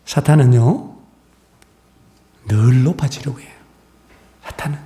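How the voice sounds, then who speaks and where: A man's voice: mid-range voice, unhurried. A male pastor giving a sermon, acting out dialogue and asking the congregation questions he then answers. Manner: animated preaching, acting out dialogue between voices.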